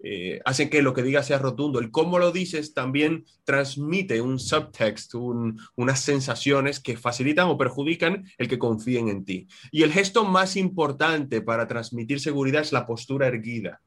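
A man from Spain with a Spanish accent, a communication trainer giving measured, instructive answers in an interview over a video call. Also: medium pitch, a bit bright. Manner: measured, instructive, slows down on key words.

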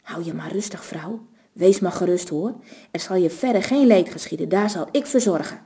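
A woman with a Low voicing a male robber who whispers softly and reassuringly to a frightened old woman. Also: moderate pace, lightly acted. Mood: soothing.

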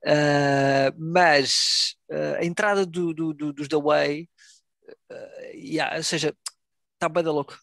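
A man's voice: on the high side, steady tone, slow, creaky, a bit bright, no echo, clean studio sound. A young man in casual podcast chat, slangy, repeating words as he searches for phrasing and mixing in English. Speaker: wrestling podcast co-host.

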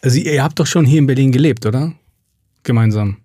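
A male podcast host with a mid-range voice, recorded dry and close. He chats casually and keeps cutting in with quick probing questions. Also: medium pitch, mellow, no echo. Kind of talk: casual interview.

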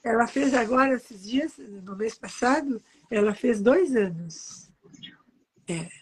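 A woman's voice: fairly high pitch, expressive, takes it slowly, husky, low-quality recording. A woman in her eighties, from Brazil, chatting in an interview as a doting grandmother who reads aloud from her books and keeps pointing at the pages. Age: 80s. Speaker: author and guest.

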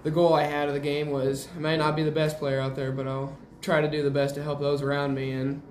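A man's voice: a little high, level tone, brisk, a little mellow. A teenage young man giving casual, modest, plain-spoken interview answers as a basketball player. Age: teens. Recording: roomy, echoing, faint noise.

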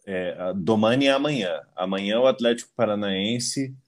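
A Brazilian man co-hosting a casual sports podcast, relaxed and often stumbling over his words. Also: fairly low pitch, normal speed. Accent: Brazilian Portuguese. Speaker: podcast co-host.

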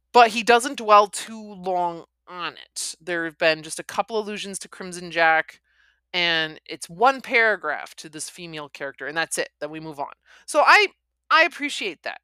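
Bright-voiced woman podcast host. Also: lowish voice, smooth, dry recording. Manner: chatty, critical asides. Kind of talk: reading a novel aloud with commentary.

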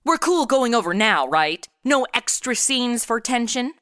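A woman's voice: fairly high pitch, big pitch swings, measured pace, a bit bright, no room sound, studio quality. A woman playing a brash, flippant twenty-something amateur detective in a comedy audio drama, with sassy, slangy delivery. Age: 20s. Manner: sassy, slangy, self-absorbed wisecracking. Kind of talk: comedy audio drama acting with wry narration.

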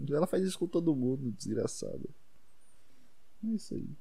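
A young man with a Brazilian accent talks in a loose, rambling monologue, full of swearing and self-deprecating asides. His voice is soft and warm rather than bright. It sounds dry and close, with no room around it. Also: on the high side, expressive, moderate pace, gravelly, slightly rough, dry recording. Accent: Brazilian Portuguese.

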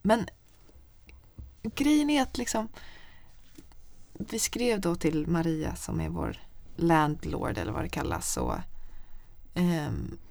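A young woman chatting casually, telling a story in a lively way and swearing often. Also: fairly low pitch, creaky, pauses often, no room sound.

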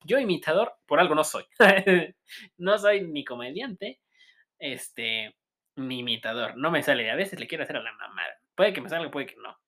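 Giggly Mexican podcast co-host. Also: male voice, fairly high pitch, lively intonation, bright, forceful tone. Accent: Mexican Spanish. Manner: laughs often, halting with many fillers and restarts. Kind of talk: casual chat.

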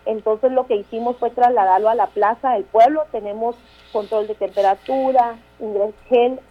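This is a town mayor from Guatemala, a woman in her thirties, talking as a radio interview guest with hesitant restarts and tag questions. Her pitch is fairly high and her tone steady, while the high frequencies are cut off.

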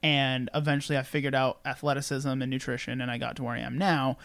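A man's voice: mid-range voice, flat delivery, quick pace, gravelly, fairly bright tone, dry recording. A man hosting a podcast in casual chat, swearing freely and laughing as he tells stories. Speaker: podcast host.

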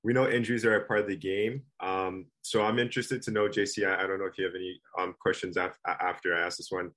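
A man's voice: low-pitched, fairly even intonation, quick pace, fairly bright tone. A man from the Toronto area hosting a podcast, asking friendly, conversational questions. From Greater Toronto Area, Canada. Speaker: podcast host. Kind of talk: casual interview hosting.

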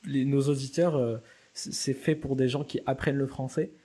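A man from France hosting a podcast for French learners, chatting casually and warmly with fillers. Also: mid-range voice, steady tone, normal speed, husky. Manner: friendly, fillers and repeated words. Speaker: podcast host.

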